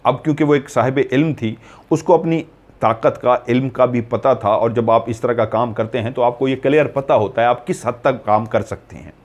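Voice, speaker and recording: A man's voice: mid-range voice, steady tone, normal speed, dull audio. A man from Pakistan, a paranormal investigator and host, retelling a haunting story in an earnest, explanatory way with repeated phrases. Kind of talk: storytelling narration.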